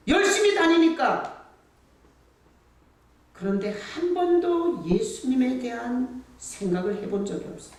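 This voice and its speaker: A woman's voice: on the high side, darkish tone. A woman pastor preaching a sermon in a conversational, emphatic way, speaking in a church sanctuary. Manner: conversational and emphatic, acting out prayers and quotes. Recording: very echoey, distant church recording.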